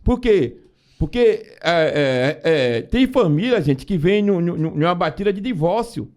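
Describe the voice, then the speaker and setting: A man's voice: sits high, expressive, a little slow, darkish tone. A man on a podcast speaking emphatically about faith, often addressing listeners directly. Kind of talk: casual preaching talk.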